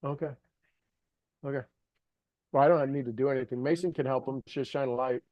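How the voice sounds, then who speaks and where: A man's voice: mid-range voice, steady tone, brisk, no echo, lo-fi sound. Emphatic man coaching, close dry sound. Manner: emphatic, repeats phrases for effect. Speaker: host and coach leading a group call. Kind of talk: informal motivational group coaching talk.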